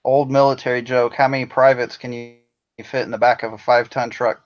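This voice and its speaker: A man's voice: medium pitch, level tone, a little fast, lo-fi sound. A man in a casual podcast chat, jokey with dry humor.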